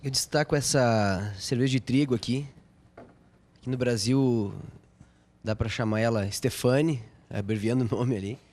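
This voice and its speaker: A man's voice: medium pitch, normal speed, a little mellow. A man, chatting casually as a studio guest and joking lightly. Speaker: studio guest, beer enthusiast. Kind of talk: casual chat.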